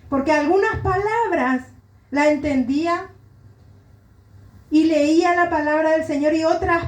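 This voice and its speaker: A middle-aged woman pastor with an Argentine Spanish accent, giving an earnest, emotional sermon testimony. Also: sits high. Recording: roomy echo.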